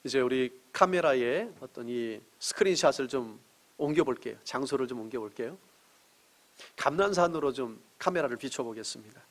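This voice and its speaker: A middle-aged man preaching a sermon as pastor, earnest, asking rhetorical questions and swinging between emphatic rises and soft drops. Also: medium pitch, expressive, normal speed.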